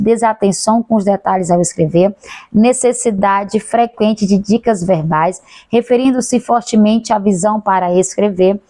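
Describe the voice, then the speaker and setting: A woman teacher with a Brazilian accent giving a class lecture, who talks fast, swallows some words and corrects herself. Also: mid-range voice, a little mellow, no room sound.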